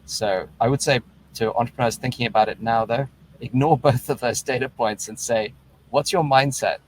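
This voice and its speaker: A man on an investor panel, speaking in a measured, advice-giving way over a video call. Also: mid-range voice, a little hiss or hum, low-quality recording. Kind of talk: panel discussion.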